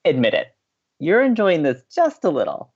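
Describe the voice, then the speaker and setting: A man's voice: a little high, huge pitch swings, normal speed, darkish tone, dull audio, full character voice. A young man playing an upbeat, romantic-minded college radio co-host in an audio drama, earnest, playful and teasing. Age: young adult. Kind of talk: scripted audio drama banter.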